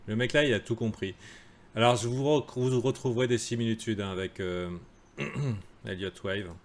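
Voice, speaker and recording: A man's voice: fairly low pitch, normal speed. A man giving a live crypto chart analysis in a casual, joking way, with many fillers and asides to viewers. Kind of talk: live-streamed market analysis.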